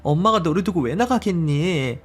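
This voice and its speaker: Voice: medium pitch, expressive, moderate pace, natural voice. A performer voicing a remorseful mother explaining why she left her child, in a dramatized story reading, with a lamenting, apologetic manner. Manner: soothing, then lamenting.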